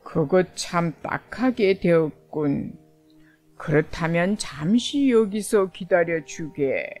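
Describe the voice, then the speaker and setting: A woman's voice: lowish voice, expressive, slow, darkish tone, soft background music, voice pushed down. A woman voicing a stately, white-bearded old male lake spirit in a children's storybook, with dignified, old-fashioned speech. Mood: solemn, kindly.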